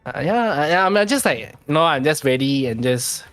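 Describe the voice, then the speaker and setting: A man with a Malaysian or Singaporean accent chats casually on a stream. His voice sits a little high. It is recorded dry, with faint music behind. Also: big pitch swings, moderate pace, a bit bright, no room sound. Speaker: streamer and co-guest. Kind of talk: casual chat.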